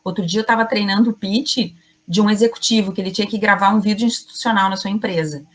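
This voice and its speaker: Middle-aged woman, communication coach giving an online lesson, emphatic, mid-pitched, speaks in short measured phrases. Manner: emphatic, addresses the audience directly and often; deliberate pauses between short phrases. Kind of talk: online class lecture.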